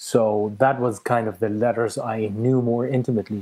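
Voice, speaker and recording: A man with a German accent speaks in a dark, mellow tone. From Germany (Munich), then Jerusalem from childhood. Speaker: calligrapher and tattoo artist. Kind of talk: interview. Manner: halting.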